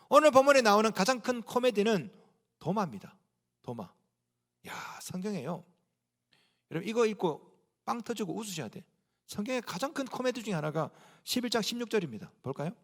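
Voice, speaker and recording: A male pastor delivers a sermon in a high voice that swings widely up and down. He preaches with humor and casual, everyday phrasing. The sound carries the long reverb of a church hall. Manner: animated, humorous, colloquial preaching. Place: church sanctuary.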